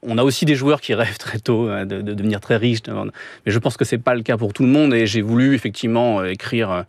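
Novelist guest, 30s male from France, measured and hesitant, dry close sound. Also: mid-range voice, gravelly, a little mellow, no echo. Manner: thoughtful, hesitant, many pauses with fillers. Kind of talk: radio interview answers.

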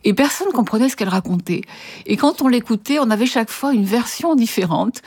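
A woman translator answering interview questions with articulate, lively storytelling and some hesitations. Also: on the high side, brisk, husky. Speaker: literary translator guest.

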